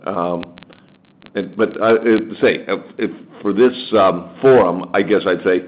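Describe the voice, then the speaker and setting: A man speaking as a company executive on an earnings call, answering in a halting, rambling way with frequent restarts. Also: low-pitched. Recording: muffled, lo-fi conference call with faint noise.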